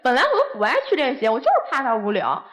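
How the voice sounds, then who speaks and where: A young woman speaks. Her voice sits high and leaps up and down as she piles on accusations. She sounds heated and insistent throughout. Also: huge pitch swings. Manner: heated, accusing, rapid complaints. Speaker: guest on dating show.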